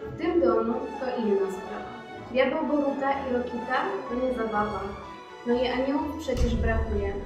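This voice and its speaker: A young woman narrates a school nativity play in steady rhyme. Her voice is fairly high and heard from far off. A very echoey hall carries it over clear music. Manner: steady storytelling in verse.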